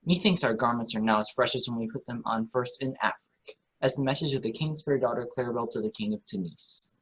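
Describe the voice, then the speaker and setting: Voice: medium pitch, brisk, husky, close to an everyday voice, rough recording. A performer reading a kindly, talkative, optimistic old courtier in a Shakespeare radio play, with earnest, wordy delivery. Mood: cheerful, wondering.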